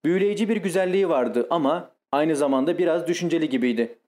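A man narrating a novel in the first person, in a steady, measured storytelling manner. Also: on the high side. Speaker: audiobook narrator.

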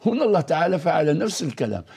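A male scholar gives a lesson in dialogue, quizzing his partner and reciting verses. His voice swings widely in pitch and has a dark, husky tone. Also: sing-song, very fast. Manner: teacherly, quizzes his co-host and quotes verses. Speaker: scholar of Quranic language. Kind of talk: explanatory religious lesson in dialogue.

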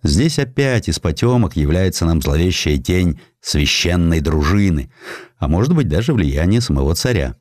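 A man reading a historical sketch as an audiobook narrator, in an expressive, dramatized storytelling manner. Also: low voice, normal speed, dry recording, clean studio sound. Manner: expressive storytelling, voicing quotations.

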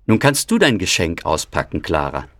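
A man voicing a kindly, mysterious old uncle who speaks gently and soothingly. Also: sits low, big pitch swings, normal speed, no echo, voice pushed down, exaggerated voice.

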